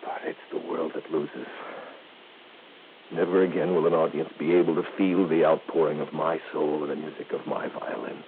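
Deep, melodramatic self-pitying male violinist. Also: flat delivery, normal speed. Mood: anguished, self-pitying. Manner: melodramatic, declaiming. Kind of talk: old radio drama acting. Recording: tinny, hissy old radio recording.

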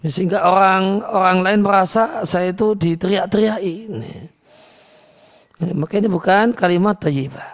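Guy teaching a religious lesson, kinda high voice, calm and repetitive, recites arabic bits. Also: normal speed. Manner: calm, repetitive, explaining with many restarts; recites Arabic verses then translates. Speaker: Islamic teacher. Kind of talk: religious lecture on hadith.

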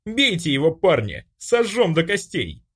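A man's voice: fairly high pitch, very animated, measured pace, a bit bright, breathy edge, voice pushed up, exaggerated voice. A man voicing an arrogant, hot-tempered young male noble mage who shrieks hysterically. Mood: furious.

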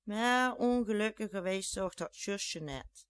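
A Flemish dialect storyteller reading a tale at a very slow, deliberate pace. The voice sits mid-pitched, and the recording is dry and close with no room sound. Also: fairly bright tone, clean tone, dry recording.

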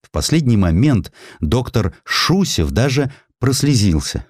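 A man narrating a historical story in an expressive, theatrical storytelling manner. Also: medium pitch, a little slow, no room sound, clean studio sound. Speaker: audiobook narrator.

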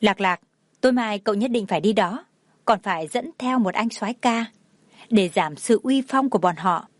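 A woman's voice: mid-range voice, moderate pace, no room sound, natural voice. A woman voicing an indignant young female college friend who talks in an urgent, pushy way. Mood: eager.

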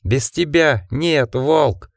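A man's voice: fairly high pitch, extremely slow, dry recording, studio quality, voice pushed up. A man voicing a twelve-year-old boy, pleading and raising his voice in grief.

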